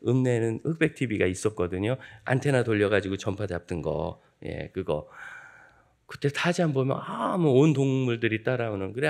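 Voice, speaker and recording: A man in his fifties, a guest pastor preaching at a dawn church service, telling joking stories from his childhood in a lively way. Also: mid-range voice, creaky. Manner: lively, joking anecdotal storytelling. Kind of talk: sermon with humorous storytelling.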